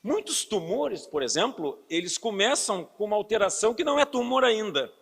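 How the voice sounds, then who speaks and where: A man's voice: high voice, sing-song, moderate pace, creaky, a bit bright, husky. A man in his sixties from Brazil with a Southern Brazilian accent, giving an earnest public health lecture as a physician and explaining with rhetorical questions. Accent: Southern Brazilian Portuguese. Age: 60s. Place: lecture hall. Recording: hall reverb.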